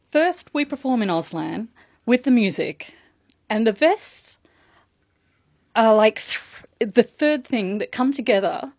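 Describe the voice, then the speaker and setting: A woman voices a deaf poet's signed answers in first person. She gives each phrase room and lays it down calmly and deliberately. Her voice is close and dry, with no room sound around it. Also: fairly high pitch, no room sound. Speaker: sign language interpreter. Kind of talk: interpreting a deaf guest's answers.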